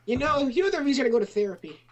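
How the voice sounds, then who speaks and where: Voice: sits high, very animated, rapid-fire, lo-fi sound, a crowd in the background. A young adult bantering casually on a voice call, cutting in with argumentative, exasperated remarks. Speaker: listener heckling a story reading. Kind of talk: casual banter while gaming.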